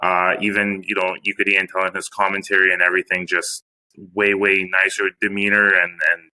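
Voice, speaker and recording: A man with a deep but strikingly sharp, forceful voice gives casual sports opinions as a co-host. His delivery is plain-spoken and flat in pitch. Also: fairly quick, rough recording. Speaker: podcast co-host.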